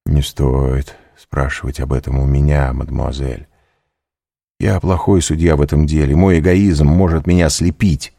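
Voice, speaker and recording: Determined young suitor, read by a low husky man, pressing and earnest. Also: steady tone, moderate pace, mellow, dry recording, clean studio sound, exaggerated voice. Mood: tense. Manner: intense, pressing questions.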